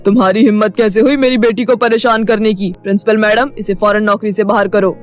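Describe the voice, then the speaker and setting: An arrogant, powerful cartoon father, voiced by an actor, demanding and bossy. His voice sits mid-pitch. Faint music plays under the dialogue. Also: steady tone, a little fast, lightly acted. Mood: angry.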